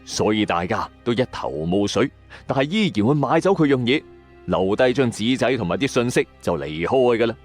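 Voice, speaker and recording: A man's voice: mid-range voice, animated, moderate pace. A man with a Hong Kong Cantonese accent narrating a scripted story in a dramatic, conversational and suspenseful storyteller's manner. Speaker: storytelling podcast host. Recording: music under the voice. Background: background music.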